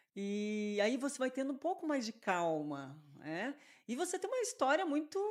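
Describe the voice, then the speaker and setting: A woman's high voice swings very widely in pitch. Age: 40s. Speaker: podcast host. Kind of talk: casual chat.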